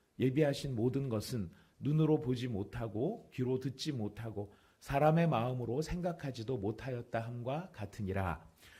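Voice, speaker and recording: On a very clean recording with a silent background, a man speaks in a medium pitch with a dark, mellow tone, sounding somewhat breathy and using lively intonation. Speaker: pastor. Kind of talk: sermon. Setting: church. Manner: halting.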